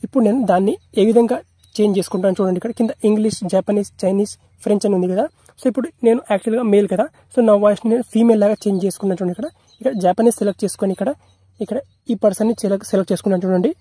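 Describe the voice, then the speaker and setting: A man's voice: high voice, fairly even intonation, very fast, warm tone, slightly rough, dry recording. A man narrating an app tutorial in a repetitive, instructional way, mixing in English tech terms.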